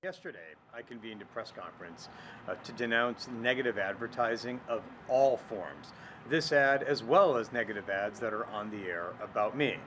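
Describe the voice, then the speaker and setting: Man candidate, low voice, formal statement, faint outdoor noise. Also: moderate pace, a bit bright, low-quality recording. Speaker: political candidate. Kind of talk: press statement.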